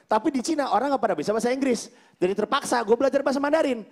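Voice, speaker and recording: A man performing stand-up comedy on stage, telling his story in an animated way and acting out the dialogue. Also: very high voice, racing. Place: comedy stage before a live audience.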